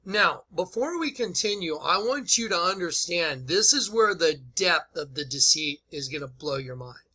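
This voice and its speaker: A man's fairly high voice with a very bright, hard-edged sound. He talks informally as a video commentator, emphatic and incredulous, often repeating himself to drive things home. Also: expressive, moderate pace, husky. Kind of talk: informal opinion commentary over played clips.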